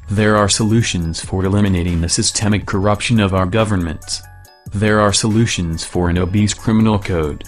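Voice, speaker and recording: A man's voice, disguised by being shifted down into a low, deep register, reads a scripted statement in a steady, declamatory cadence. Faint music runs underneath the voice the whole time. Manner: measured, declamatory delivery. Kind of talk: scripted political statement read aloud.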